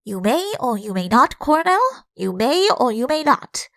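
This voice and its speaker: A woman's voice: high-pitched, sing-song, unhurried, creaky, fairly bright tone, no room sound, clean studio sound, exaggerated voice. A woman voicing a vain, pompous prince who has been turned into a mixed-up animal, in a comic fairy tale audiobook. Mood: smug, lofty. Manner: pompous, self-satisfied. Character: vain, pompous prince turned into a rabbit-lion-lamb creature.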